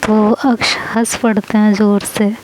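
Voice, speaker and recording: A woman's voice: mid-range voice, little pitch movement, measured pace, darkish tone, slight background noise, rough recording. A woman storyteller narrating an audio love story in a casual, chatty way. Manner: chatty, informal retelling.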